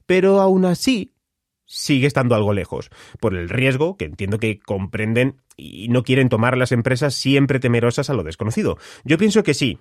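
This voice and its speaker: A man hosting a podcast, reading his questions and closing promotions in a measured, read-aloud manner. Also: medium pitch, no room sound, clean studio sound. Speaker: podcast host. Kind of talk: scripted podcast narration.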